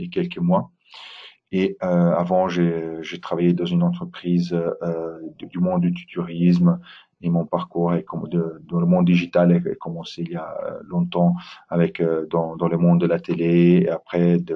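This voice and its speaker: A man's voice: low-pitched, muffled recording. A man from Italy speaking French with an Italian accent, giving a webinar presentation, hesitant with many fillers and restarts.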